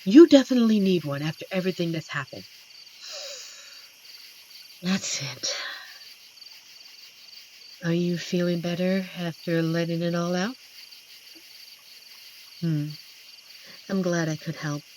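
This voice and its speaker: A gentle, lonely werewolf played by a voice actor speaks slowly in a medium-pitched voice, tender and a little corny. It is an intimate roleplay audio, with hesitant pauses and clear night insects chirping behind. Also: slight background noise, lightly acted, poor audio. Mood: happy, comforting. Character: amiable, gentle, lonely werewolf forest protector comforting a stranger. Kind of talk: scripted roleplay audio addressed to the listener. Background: crickets and forest night ambience.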